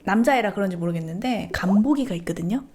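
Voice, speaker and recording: A woman hosting a casual chat, telling parenting stories in an animated way and acting out family members' lines. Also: medium pitch, quick pace. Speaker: YouTube host.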